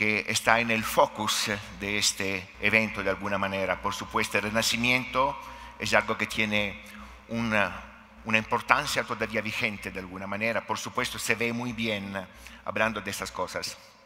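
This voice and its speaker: Speech comes at a moderate pace from a man with a fairly low pitch. His intonation is monotone and flat, with noticeable background noise. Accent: Italian. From Italy. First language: Italian (speaking Spanish). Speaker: philosophy professor. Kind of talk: conference talk. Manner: halting.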